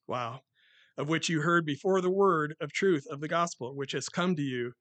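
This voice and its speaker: A man preaching on a microphone, with a loud voice that carries and a slightly high pitch. He gets more and more excited as he reads scripture aloud. The sound is dry and close, with little room echo. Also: moderate pace. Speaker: lay preacher. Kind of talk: sermon with scripture reading. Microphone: handheld or stand mic.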